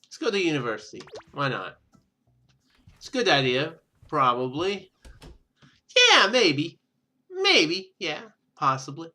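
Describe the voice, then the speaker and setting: A man doing casual let's play commentary, reading game text aloud and rambling as he thinks out loud. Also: fairly high pitch, very animated, a little slow, long pauses. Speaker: gaming video host.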